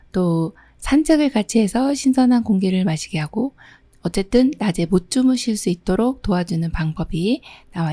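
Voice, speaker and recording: Middle-aged woman teaching, walks through test answers, mellow voice, dry close mic. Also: mid-range voice, no echo. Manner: reads questions aloud, then explains the answers patiently. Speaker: exam prep instructor. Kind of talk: exam question walkthrough lesson.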